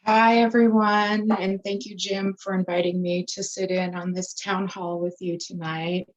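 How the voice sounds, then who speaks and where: A woman's voice: mid-range voice, flat delivery, a little slow. A woman in her thirties getting over a cold, a tribal realty specialist explaining a topic in a casual town hall with lots of filler ums. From Umatilla Indian Reservation, Oregon. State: recovering from a cold. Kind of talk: informal presentation in a town hall. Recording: muffled lo-fi audio.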